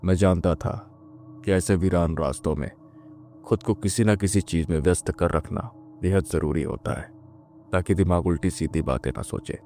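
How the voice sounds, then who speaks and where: A man telling a scripted first-person horror story in a slow, measured way. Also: low voice, warm tone, slight background noise.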